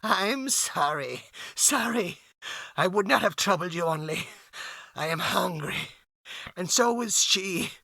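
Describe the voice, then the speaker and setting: A man voicing a hungry, frightened castaway who speaks hopelessly and haltingly from a boat. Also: high-pitched, bright, forceful tone, no echo, pitched above the performer's own voice, full character voice. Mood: pleading. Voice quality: hopeless, pathetic, hesitant. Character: desperate hungry man in a rowboat, hiding. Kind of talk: storybook reading.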